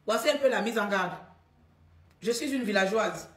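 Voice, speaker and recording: A woman's voice: medium pitch, normal speed, a bit bright, echoey room. A middle-aged woman from Gabon with a Cameroonian accent, scolding her followers bluntly in a live stream.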